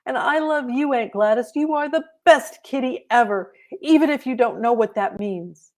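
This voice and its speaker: A woman voicing an earnest, curious young girl in a children's storybook, with a childlike, expressive manner. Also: fairly high pitch, normal speed, voice pushed up, natural voice. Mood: affectionate. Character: earnest, curious young girl who loves her cat. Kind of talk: children's storybook read-aloud.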